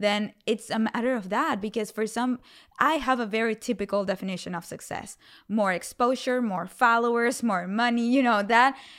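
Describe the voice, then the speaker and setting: A woman with a Latin American accent speaks at a moderate pace and a fairly high pitch. Her intonation is fairly even, and the recording is very clean with a silent background. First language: Spanish. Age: 30s. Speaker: motivational speaker and author. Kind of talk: casual interview. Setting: at home.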